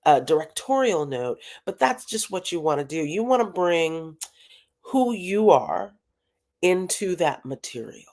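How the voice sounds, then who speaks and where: A talent manager, a woman, explaining things in a live video-call interview, animated and repeating phrases for emphasis. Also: fairly low pitch, measured pace.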